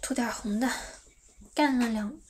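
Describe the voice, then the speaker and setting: A young Chinese woman hosts an idol livestream, chatting playfully with fans, reading their comments aloud, and stumbling over English words. Her voice is on the high side and a little mellow, at normal speed, with slight background noise.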